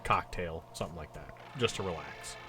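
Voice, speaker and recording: A man's voice: deep voice, fairly quick, music in the background. A man playing a tabletop roleplaying game, casually describing what his character does. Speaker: player in a tabletop game podcast.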